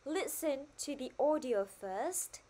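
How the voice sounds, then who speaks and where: A woman's voice: sits high, lively intonation, slow pace, mellow. A woman teaching a primary-school English lesson online, upbeat and coaxing. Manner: upbeat, coaxing, switches between two languages.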